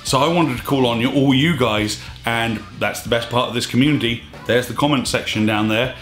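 Talking a little fast, a scuba diving channel host in his thirties airs his opinions to camera, emphatic and somewhat exasperated, with plenty of hand gestures. His slightly hoarse voice is medium in pitch and fairly bright, set against echo and faint music in a small studio room.

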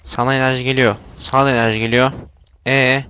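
A man's voice: mid-range voice, flat delivery, fast talker, bright, forceful tone, a little hiss or hum. A young man giving casual gameplay commentary, explaining machines and getting exasperated when they fail. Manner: exasperated, talks to game machines, frequent outbursts. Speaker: gameplay video host.

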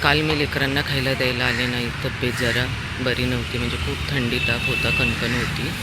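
A woman's voice: flat delivery, brisk. Coaxing woman on a noisy street. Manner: coaxing, calls out loud and high to dogs. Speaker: vlogger feeding street dogs. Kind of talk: casual vlog talk. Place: outdoors on a city street. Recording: noisy outdoor street recording.

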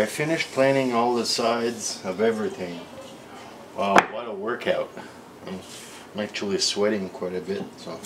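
A man giving a casual, folksy how-to narration while working in a garage workshop. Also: fairly low pitch. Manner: folksy, informal. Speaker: host of a woodworking channel. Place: home garage workshop, indoors. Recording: clear background noise, workshop ambience.

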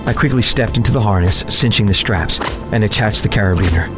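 A low-voiced working man, played by an actor, recounts his ordeal in a deadly horror drama. He narrates in the first person, tense and determined, with prominent music underneath. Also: a little fast, lightly acted. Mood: tense, recounting.

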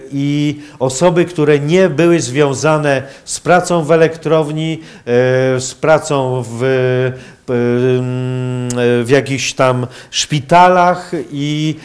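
Man in his sixties, lecturer, slightly high voice, slow delivery, hesitant pauses. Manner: halting, hesitant phrasing with long pauses. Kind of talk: public lecture. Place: university lecture hall, indoors.

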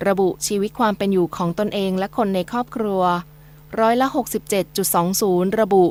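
A woman's voice: medium pitch, fairly quick, a little mellow. A woman reading scripted news as a radio newsreader.

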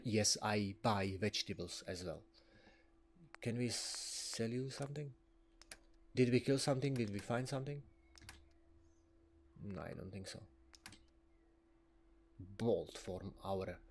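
Man, rather low voice, rambling let's play commentary, chuckles, faint background hiss. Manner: chatty, rambling, chuckles often. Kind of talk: casual gameplay commentary.

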